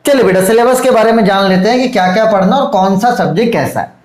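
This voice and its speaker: A man's voice: high-pitched, fast, a little mellow. A man giving a casual video lecture as an online tutor, fatherly, calling his students "beta" and checking they follow. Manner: fatherly, calls students "beta", keeps asking "theek hai". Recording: echoey room.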